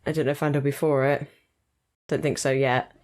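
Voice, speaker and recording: A young woman giving casual, chatty reaction commentary while watching an episode, thinking aloud in quick asides. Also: extremely low pitch, level tone, a little mellow. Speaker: reaction video host.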